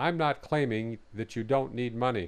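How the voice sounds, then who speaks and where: With a normal speaking voice, a man talks at medium pitch with ordinary pitch variation against a quiet background. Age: 50s. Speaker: physician and adventurer. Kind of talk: scripted narration.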